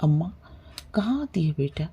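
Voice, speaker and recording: A woman voicing a gentle young uncle who talks to a child in a soft, coaxing way in a storybook reading. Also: low-pitched, sing-song, normal speed, creaky, slightly rough, highs cut off, heavily acted.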